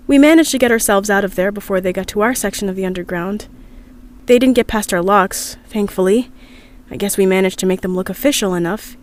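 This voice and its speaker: A woman's voice: mid-range voice, natural voice. An actress playing an upset, earnest young woman from an underground community, confiding hesitantly in an audio drama diary. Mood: shaken, subdued. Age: young adult.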